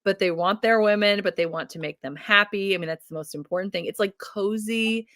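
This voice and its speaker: An upbeat woman hosts a relaxed book chat, reading out viewer comments with eager delight. Her voice is bright and sits close and dry, with no room sound around it. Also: medium pitch, fairly quick, dry recording. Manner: enthusiastic, reads viewer comments aloud, laughs often. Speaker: book channel host. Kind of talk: casual livestream book chat.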